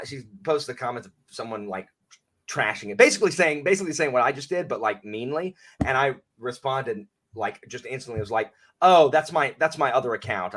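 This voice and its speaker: A man's voice: on the low side, fairly bright tone. A man chatting casually as a guest on a live stream, rambling and self-deprecating with lots of restarts.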